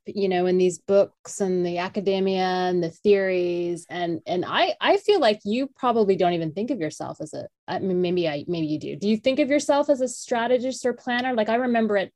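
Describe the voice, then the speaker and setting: A woman's voice: medium pitch, darkish tone. A woman hosting a podcast interview, asking long, winding questions full of fillers and restarts.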